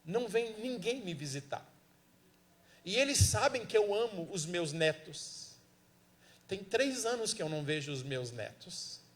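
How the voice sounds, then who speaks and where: A preacher voicing a bitter lonely old man. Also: high-pitched. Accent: Brazilian Portuguese. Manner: quiet, bitter complaints.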